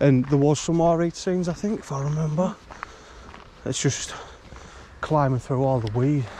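A man talks at a fairly quick pace with fairly even intonation. The sound is dry with no echo, and light background noise sits behind him. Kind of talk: casual vlog chat. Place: open country. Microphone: camera far.

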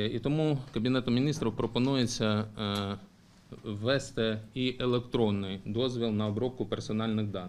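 At a moderate pace, a man talks with a medium pitch and fairly even intonation. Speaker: government official presenting a bill. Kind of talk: formal committee presentation. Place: meeting room. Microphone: podium.

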